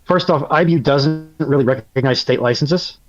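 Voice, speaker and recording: A man's voice: on the high side, moderate pace, muffled recording, faint music behind. A man chatting as a live-stream panelist, explaining emphatically and with some incredulity through a phone mic on an online call. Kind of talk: casual explanatory chat. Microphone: phone mic on a Discord call.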